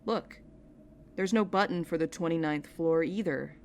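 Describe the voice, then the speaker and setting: A woman plays a tough, sceptical sidekick with a fairly low voice. She is dry and blunt but loyal, in an audio drama scene with clear ambient noise underneath. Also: a little slow. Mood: guarded. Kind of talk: audio drama podcast acting. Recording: clear background noise, ambient sound bed.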